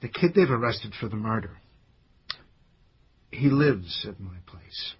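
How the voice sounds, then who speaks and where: A man's voice: on the low side, big pitch swings, measured pace, slightly rough, dull audio, heavily acted. A man playing an anxious, defensive older gay owner of a cleaning business in a radio drama, agitated, stammering and sardonic. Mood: subdued, troubled.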